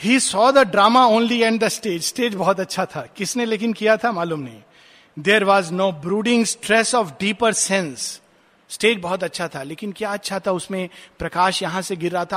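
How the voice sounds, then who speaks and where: A man, giving a reflective spiritual discourse and slowly reading English verse aloud. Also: high-pitched, fairly bright tone. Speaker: spiritual speaker. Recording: long hall reverb.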